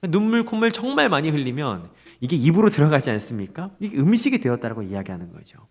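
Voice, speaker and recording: A male pastor preaching a dawn prayer sermon, expressive and asking the congregation rhetorical questions. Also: on the high side, quick pace.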